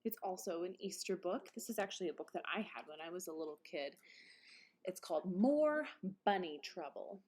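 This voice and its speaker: A woman's voice: lowish voice, expressive, fairly quick, darkish tone, slightly rough. A woman reading picture books aloud as a teacher would to her class. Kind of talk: children's story read-aloud.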